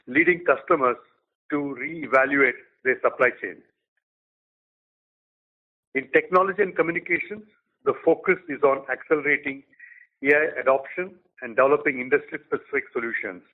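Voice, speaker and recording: A man in the role of chief executive, giving a prepared quarterly business update in measured short phrases. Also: medium pitch. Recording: tinny phone line.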